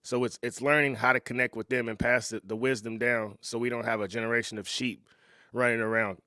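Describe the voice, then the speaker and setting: A man in his thirties hosting a reaction video, talking in a relaxed, conversational way and often chuckling. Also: medium pitch, a little fast, dry recording, clean studio sound. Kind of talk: casual reaction commentary.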